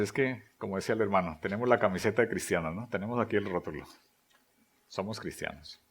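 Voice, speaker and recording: A man preaching a sermon, asking rhetorical questions and voicing quoted prayers, his delivery swinging between loud emphasis and near-whispers. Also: lowish voice. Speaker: pastor.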